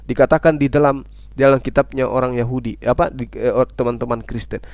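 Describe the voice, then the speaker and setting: A man's voice: medium pitch, little pitch movement, fast talker, no echo. A man preaching in an emphatic debate style, citing scripture and firing repetitive rhetorical questions that he answers himself. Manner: forceful, insistent delivery. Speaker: Islamic preacher in interfaith debate.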